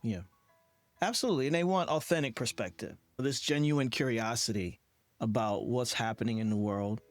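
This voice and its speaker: A man's voice: medium pitch, normal speed, no echo. A man with a mid-range voice hosts a podcast interview. He speaks in an affirming, conversational way, with faint music underneath. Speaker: interview host.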